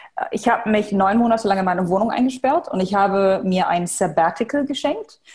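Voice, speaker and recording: Somewhat breathy, a woman speaks at a fairly quick pace. Her voice is fairly high-pitched, with ordinary pitch variation. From Germany, Hanover. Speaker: personal branding expert, keynote speaker. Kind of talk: interview.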